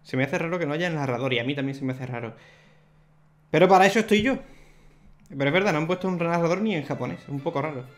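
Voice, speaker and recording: A young man, chatting excitedly and laughing often as he plays through a video game. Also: fairly high pitch, rapid-fire, hardly any pauses. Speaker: gaming YouTuber. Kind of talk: let's play commentary. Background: faint game music.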